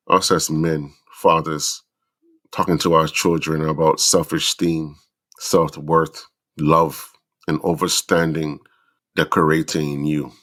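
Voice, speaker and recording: A man's voice: very deep voice, fairly bright tone. A middle-aged man with a stuffy, congested voice, hosting a podcast and speaking earnestly to fathers in a reflective monologue. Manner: earnest, preachy, slow deliberate lists. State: stuffy from the flu. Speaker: podcast host.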